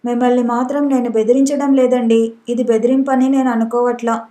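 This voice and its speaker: A woman reading the lines of a proud, educated young man who speaks in a calm, restrained way. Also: a little high, brisk, natural voice. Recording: roomy echo.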